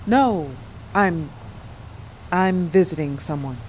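A guarded woman, slowly paced. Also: fairly low pitch, a little mellow, slight background noise. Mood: subdued, wistful. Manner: terse, wary, awkwardly polite. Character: guarded, awkward adult daughter visiting small town. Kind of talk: naturalistic audio drama acting.

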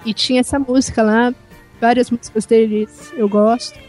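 A woman's voice: fairly high pitch, steady tone, normal speed, darkish tone, poor audio. A woman from São Paulo state with a Brazilian accent, chatting casually as a podcast guest. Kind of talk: casual chat. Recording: music playing under the talk.

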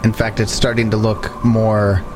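A man's voice: fairly low pitch, little pitch movement, measured pace, noisy background. A man running a tabletop game as game master, narrating scenes and explaining rules.

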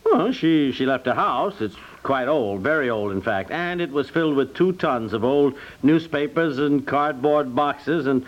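An actor playing a good-natured, middle-aged American husband in 1950s radio comedy, with a hesitant, conversational delivery. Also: male voice, mid-range voice, lively intonation, unhurried, few pauses, natural voice. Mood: gently apologetic. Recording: dull 1950s radio recording.

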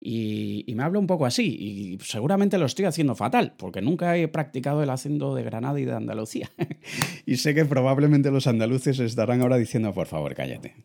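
A man from Venezuela, a public speaking coach, giving an expressive conversational lesson that addresses the listener directly. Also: medium pitch, brisk, vocal fry. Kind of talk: conversational instructional monologue.

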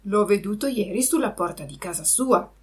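A woman voicing a sly, smooth-talking lame male fox who coaxes the puppet. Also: medium pitch, lively intonation, moderate pace, darkish tone, far from the mic, lightly acted. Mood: wheedling.

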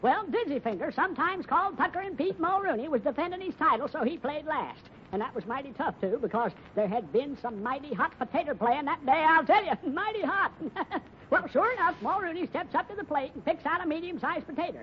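Folksy old Western American cowboy, rambling tall-tale teller, high and swooping, 1950s radio comedy. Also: male voice, lively intonation, a little fast. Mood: jovial, rambling. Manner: rambling, drawling, exaggerating storyteller. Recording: muffled, hissy old radio recording.

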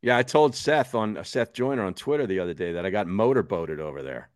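A man's voice: lowish voice, expressive, quick pace, no room sound, clean studio sound. A man in his fifties hosting a sports podcast, wry and joking in casual chat. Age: 50s. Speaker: host.

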